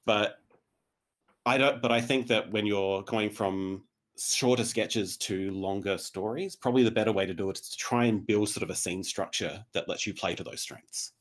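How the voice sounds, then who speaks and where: A man's voice: lowish voice, moderate pace. A man speaking casually as a panelist on a video call. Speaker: panelist, podcast writer. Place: indoor room, remote video call.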